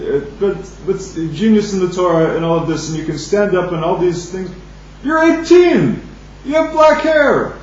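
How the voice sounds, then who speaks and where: A high-pitched, darkish-toned Talmud teacher gives a daily study lesson, reading the Aramaic and then explaining in English, often halting and restarting. The room is very echoey, and the distant, dull lo-fi mic catches a faint hum.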